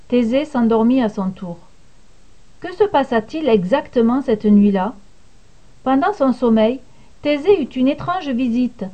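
A woman reading a serialized myth aloud in scripted storybook narration, with an expressive, dramatic delivery. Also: a little high. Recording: dull lo-fi recording.

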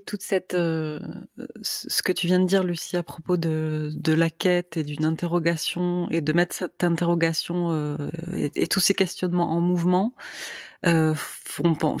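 A woman interviewer asking long questions in a hesitant way, with many pauses and fillers. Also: low voice, darkish tone, dry recording, clean studio sound.

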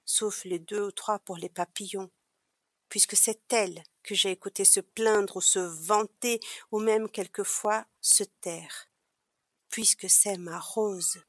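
Brief: woman reading a small earnest prince, plain dry read, normal pitch. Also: a bit bright, no echo. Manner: earnest, insistent, rising with emphasis.

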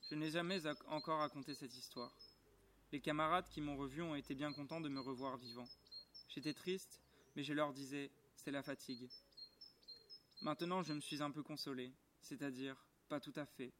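A man reading a storybook aloud in a calm, measured, quietly moved way, recorded outdoors at the bottom of a garden. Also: on the high side, a little hiss or hum. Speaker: reader.

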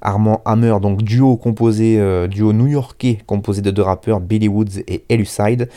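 A man hosting a hip-hop radio show, with a lowish voice and a mellow, soft tone. His manner is casual and self-mocking, and he trips over his words now and then. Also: fairly even intonation, normal speed, smooth. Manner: reads a review aloud. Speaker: radio host.

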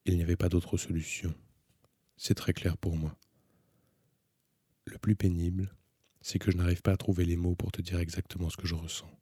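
A man reading an audiobook, voicing a quiet young wife who speaks in a hushed, halting way. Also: low-pitched, flat delivery, slightly rough, dry recording, clean studio sound. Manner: hushed, halting, soft-spoken.

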